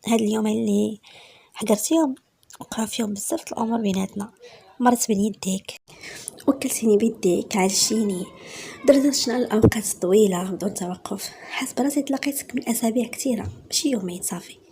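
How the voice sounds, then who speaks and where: A woman with a Moroccan accent voicing a confident, assertive man, in a soft, half-whispered delivery. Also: a little high, fast talker, creaky, slight background noise. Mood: persuasive.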